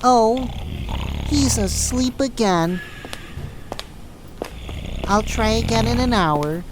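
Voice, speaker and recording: Actress as cool female doctor in a hospital radio play, unhurried, curt, noticeable background noise. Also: on the high side, lively intonation. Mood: subdued. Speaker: voice actor in an audio drama. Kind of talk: audio drama acting. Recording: clearly noisy background.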